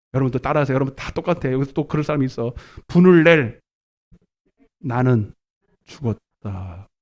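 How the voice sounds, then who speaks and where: A middle-aged male pastor giving a live sermon in a church, calling the congregation to repeat after him and swinging from shouts to murmurs. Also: a little high. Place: church sanctuary.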